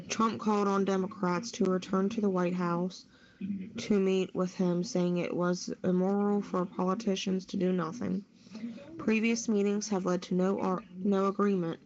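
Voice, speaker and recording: A woman's voice: medium pitch, dull audio. A woman co-hosting a talk show, reading a news story aloud. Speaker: show co-host.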